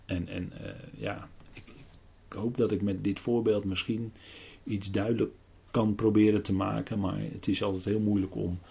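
An older man giving a halting Bible talk, full of pauses and restarts. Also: lowish voice, little pitch movement, gravelly, breathy edge, lo-fi sound. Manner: halting, many fillers and restarts. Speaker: preacher.

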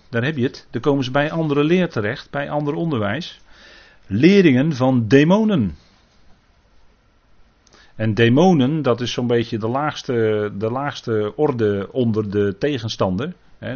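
A man preaches on a Bible passage in a steady mid-pitched voice. He talks earnestly and carefully, tagging many sentences with little questions to the listeners. The recording sounds dull and lo-fi. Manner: frequent tag questions, earnest and cautious. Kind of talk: Bible teaching sermon.

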